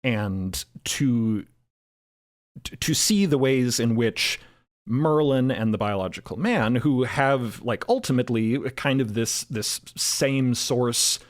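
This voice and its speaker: A man speaking as a panelist in a casual roundtable, thoughtful and halting, restarting phrases as he explains. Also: mid-range voice. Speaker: podcast co-creator and panelist.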